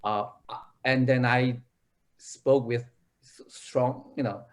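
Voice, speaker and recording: A man's voice: medium pitch, steady tone, slow pace. A man, an actor in a casual interview, who explains things at length in a thoughtful way.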